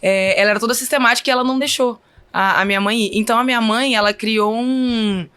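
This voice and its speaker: A woman's voice: on the high side, fairly even intonation, quick pace, fairly bright tone, clear, resonant tone. Chatty woman with a Minas Gerais accent. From Brazil. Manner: chatty, often says "então, assim". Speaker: guest volleyball player. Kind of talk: casual interview storytelling.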